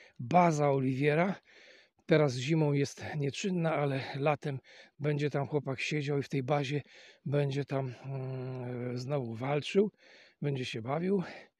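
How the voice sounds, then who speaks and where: The speech is somewhat breathy, with a fairly slow pace and fairly even intonation. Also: man, dry sound with no echo. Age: 60s. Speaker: vlogger. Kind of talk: casual vlog monologue. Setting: outdoors in snow. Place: garden. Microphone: phone near.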